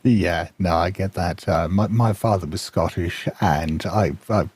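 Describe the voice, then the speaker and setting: Low, husky male moderator. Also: a little slow, no echo. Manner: relaxed, asks questions, brief agreements. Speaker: panel moderator. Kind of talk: moderating a panel.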